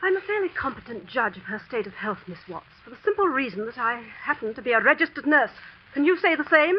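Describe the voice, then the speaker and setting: A cold, commanding school dean with clairvoyant airs in a 1940s radio drama. Her voice sits high and crisp, and the old broadcast sound is dull and muffled. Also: very animated, fast talker, a little hiss or hum. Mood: icy.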